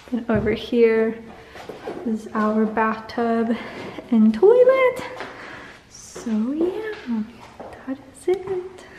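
A woman's voice: fairly high pitch, a little mellow, a little hiss or hum. Giggly young woman in an echoey empty house. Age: young adult. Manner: giggly, chatty, narrating as she walks. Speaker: vlogger. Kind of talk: casual vlog, house tour. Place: car, then empty house with bare rooms. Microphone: handheld camera at arm's length.

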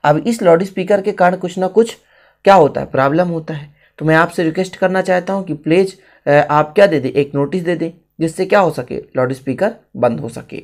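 A man's voice: fairly high pitch, fairly quick. An Indian man teaching a writing lesson step by step, repeating phrases and switching languages as he explains each one.

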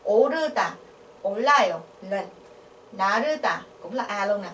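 A woman's voice: mid-range voice, animated, a bit bright. Vietnamese-accented woman, patient grammar teacher, roomy distant sound with faint hiss. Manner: patient, asks the class questions, repeats syllables slowly. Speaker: Korean language teacher. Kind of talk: explaining grammar. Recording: echoey, from a distance, faint noise.

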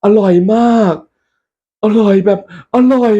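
A man voicing a kindly, cheerful male monk in a told story, exclaiming with hearty, drawn-out words. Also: high-pitched, steady tone, mellow, muffled recording, voice pushed up. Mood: delighted. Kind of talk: storytelling role-play.

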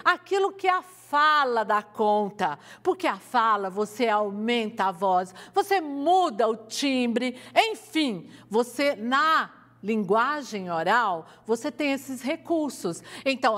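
High-voiced, slow-spoken Brazilian teacher. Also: female voice, big-room sound. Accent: Brazilian Portuguese, Goiás. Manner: lively, coaxing students with questions. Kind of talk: televised video lesson.

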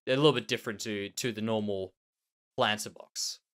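Brisk and a bit bright, the low-leaning voice keeps a fairly even intonation. An Australian let's play host, nasal and slightly tender, muses and repeats words while casually remarking on the Minecraft structure he built.

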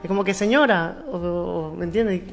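A man's voice: high voice, normal speed, vocal fry, soft background music. A young Venezuelan man speaking Spanish with a Venezuelan accent tinged by Bogotá, a guest chatting casually and laughing often. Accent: Venezuelan Spanish with Bogotá influence. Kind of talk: casual chat.

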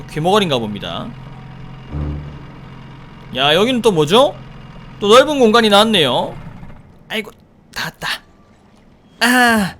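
Animated high-voiced male game commentator. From South Korea. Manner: jokey, animated, easily startled. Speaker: gaming streamer. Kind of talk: let's play commentary.

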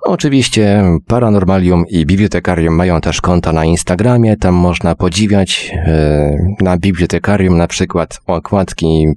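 A man hosting a radio show, introducing it and reading announcements in a formal, measured way that addresses listeners directly. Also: deep voice, warm tone, no room sound. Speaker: radio host.

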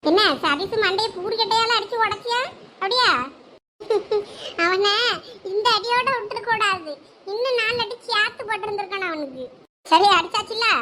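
A woman's voice: very high-pitched, bright, forceful tone, a little hiss or hum. A young woman acting out a chatty village comedy skit, consoling and teasing a friend.

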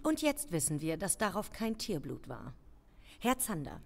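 An actress playing a composed police major in a crime radio drama, formal and commanding in manner. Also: female voice, lowish voice, sing-song, normal speed, vocal fry, heavily acted. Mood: stern, focused.

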